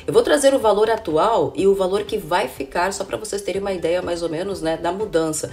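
A chatty immigration consultant with a hoarse voice from a cold talks to the camera in a casual informative vlog, set in an indoor room with window blinds and filmed at close range. Her fairly low, darkish voice moves a little fast, and she calls viewers "gente" while often tossing in "né?" and "viu?".

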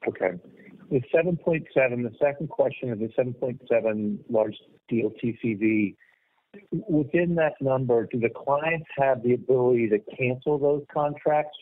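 A man asking careful, deliberately phrased questions as a financial analyst on a formal earnings call. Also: medium pitch. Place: telephone handset on conference call. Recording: muffled, narrow phone line.

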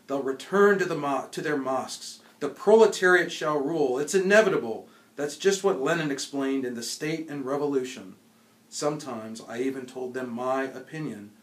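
An American man in his forties, a professor, reading a book aloud. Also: on the high side. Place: small indoor office with bookshelves. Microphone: camera a few feet away. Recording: roomy office sound from camera mic.

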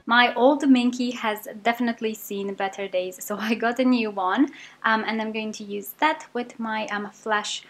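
Chatty young British woman, fairly high voice. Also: steady tone, normal speed, soft background music. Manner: chatty, upbeat, many ums. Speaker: cleaning vlogger. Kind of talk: casual voice-over narration.

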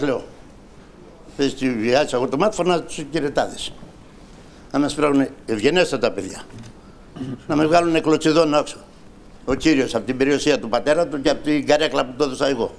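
A man's voice: medium pitch, vocal fry, slight background noise. A man in his sixties from Greece, an audience member telling his grievance in an impassioned, aggrieved way and speaking directly to the host and a minister. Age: 60s. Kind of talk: impassioned personal account on a talk show.

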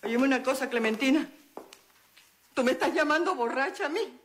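A woman's voice: high-pitched, expressive, fairly quick, slight background noise. An actress playing an indignant, tipsy mother with a Venezuelan accent who pities herself. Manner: indignant and self-pitying. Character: tipsy, touchy older mother. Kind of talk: TV comedy-drama acting.

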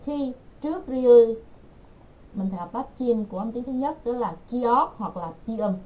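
Woman teaching patiently, slightly high voice. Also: expressive, dark tone, slight background noise, low-quality recording. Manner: patient, repeats words slowly for learners. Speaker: Korean language teacher. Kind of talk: online class lesson.

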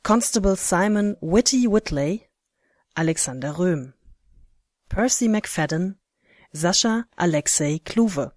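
A woman reading scripted cast credits as announcer in a measured, formal way. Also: lowish voice, lively intonation, a little mellow, no echo, clean studio sound. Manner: measured, formal, list-like delivery.

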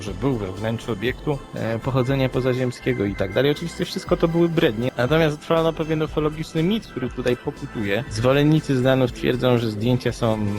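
A man from Poland co-hosting a podcast, telling and commenting on cases in a conversational, measured, explanatory and sceptical way. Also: medium pitch, darkish tone. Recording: music playing behind the voice. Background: background music.

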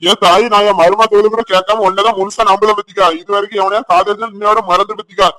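Man playing an old grandpa giving advice in a cartoon, tirunelveli accent, talks real fast. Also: high voice, level tone, no echo, poor audio. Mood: gentle advising. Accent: Tirunelveli Tamil. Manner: gently advising.

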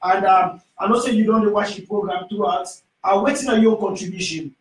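Hesitant Sierra Leonean radio host, high voice. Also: male voice, a little fast, distant mic. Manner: hesitant, many "um" fillers. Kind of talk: call-in radio talk show. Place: small radio studio. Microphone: studio microphone, headphones. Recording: echoey studio from off-mic.

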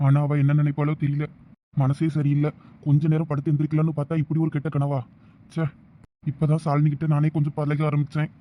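A man's voice: on the high side, dull audio, close to an everyday voice. A man playing a jealous, devoted young husband in a village drama, with emotional delivery. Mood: troubled. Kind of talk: village web-series acting.

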